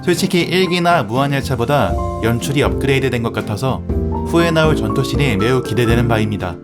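A man with a mid-pitched voice narrates an anime review from a script. Music plays clearly behind his voice throughout.

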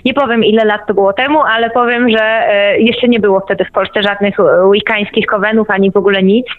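A woman explaining things as a guest in a radio interview, conversational, pausing and checking with tag questions. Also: mid-range voice, steady tone. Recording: narrow, tinny phone-like line.

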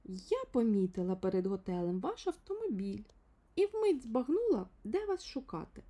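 Fairy-tale lady stranger, voiced by a woman: middle-aged, soft yet carrying, higher pitch, polite and insistent. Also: big pitch swings, normal speed. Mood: friendly, assured.

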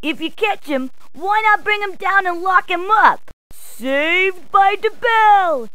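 A woman's voice: extremely high pitch, animated, takes it slowly, sharp tone, dry recording, exaggerated voice, low-quality recording. A woman voicing a cheerful female police officer in a video game, delivering short punning quips and hints in a chirpy manner. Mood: upbeat. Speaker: in-game helper character.

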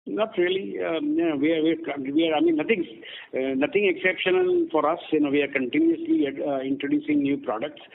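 A man's voice: very high-pitched, wildly swooping pitch, fairly quick, gravelly. A man, a company executive answering questions on an earnings call in a blunt, dismissive way. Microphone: conference phone call. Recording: narrow noisy phone line.

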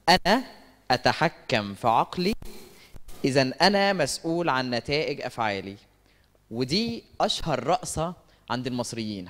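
A man with a mid-range voice and an Egyptian Arabic accent speaks at a church service meeting, giving a lively sermon-style talk full of stories. He asks the audience questions and answers them himself, and the long reverb of the church hall carries his words.

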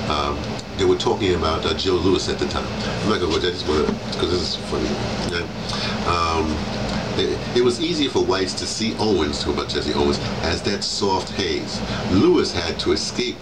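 An American man in his sixties talking casually and haltingly, drifting off on asides and checking in with "right?" as he goes through a book. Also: low voice. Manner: halting, digressive, asks "right?" often. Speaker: vlogger. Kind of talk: casual rambling commentary, reading from a book. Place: small room indoors. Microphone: camera mic across a table. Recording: distant camera mic, loud air-conditioner hum. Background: loud steady background noise.

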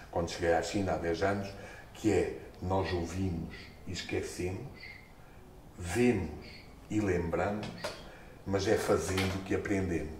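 Portuguese guy telling a story, lowish voice, laughs a lot, recorded from across a roomy space. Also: a little hiss or hum. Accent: European Portuguese. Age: middle-aged. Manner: expressive, gestures and laughs often, jumps in pitch when excited. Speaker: book author. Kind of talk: animated storytelling at a book launch. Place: small stone-walled room, indoors. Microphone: far camera. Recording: echoey room.

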